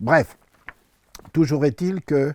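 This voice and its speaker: The recording is very clean, its background silent. A man talks in a dark, mellow tone. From France, Corrèze. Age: 70s. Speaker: retired anthropologist. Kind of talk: interview monologue. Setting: filmed interview. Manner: hesitant, many fillers.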